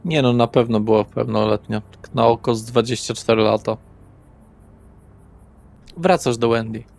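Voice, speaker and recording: A man's voice: medium pitch, moderate pace, gravelly. A man running a horror tabletop game as game master, narrating atmospherically and dropping casual asides to the players. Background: soft guitar music.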